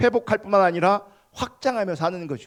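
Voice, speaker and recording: A man speaks with lively intonation. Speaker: pastor. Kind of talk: sermon. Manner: fast.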